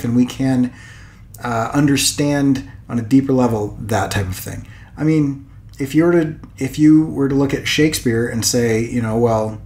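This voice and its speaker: A man in his late thirties talking casually as a vlog host, thinking aloud in a rambling way with hesitant pauses and repeated words. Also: mid-range voice, darkish tone. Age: late 30s. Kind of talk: casual unscripted vlog musing.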